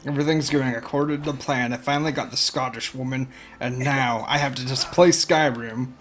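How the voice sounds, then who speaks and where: A man streaming a game, chatting in a relaxed way with brief replies and asides. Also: mid-range voice, brisk, slight background noise. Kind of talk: casual live-stream chat.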